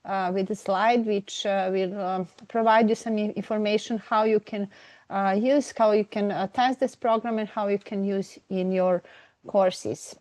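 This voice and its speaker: A middle-aged woman from Serbia with a Serbian accent, a professor giving a webinar presentation, pausing often with fillers and restarts. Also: mid-range voice, steady tone, darkish tone, dry recording. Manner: halting, many fillers and restarts.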